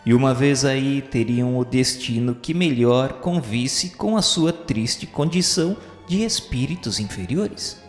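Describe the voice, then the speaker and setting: Male radio-novel narrator, solemn and measured, mid pitch, echoey reverberant room, faint music bed. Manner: measured, solemn literary reading.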